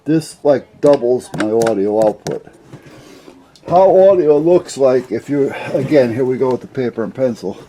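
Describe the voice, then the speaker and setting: An older man with a deeply mellow, dark timbre and an average-pitched voice. He explains technical hobby matters casually and without a script. His delivery is folksy and plain-spoken, rambling from point to point. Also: animated, normal speed, a little hiss or hum, rough recording. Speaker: CB radio hobbyist explaining gear.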